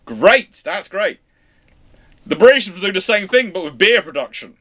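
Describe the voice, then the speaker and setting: Bright-voiced animated male history host. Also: sits high. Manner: animated, quick asides and dry jokes. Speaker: naval history channel host. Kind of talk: live Q&A chat.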